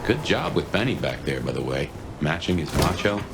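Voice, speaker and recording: An actor playing a wry, world-weary vampire detective companion in a video game, talking in a folksy, conversational way. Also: male voice, very deep voice, very animated, brisk, gravelly, very noisy, heavily acted. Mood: confiding. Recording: loud music behind the voice.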